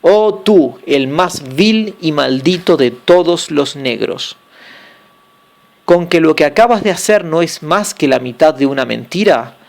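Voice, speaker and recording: A man voicing a wealthy merchant master who scolds and curses his slave in anger, with slow, heavy stresses. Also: fairly high pitch, animated, creaky. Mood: furious.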